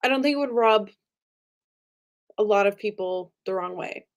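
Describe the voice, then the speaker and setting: A woman's voice: medium pitch, moderate pace. A young woman vlogging casually about books from home, rambling with lots of fillers. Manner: chatty, rambling, frequent fillers. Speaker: book vlogger. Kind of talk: casual chat. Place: home room with angled ceiling.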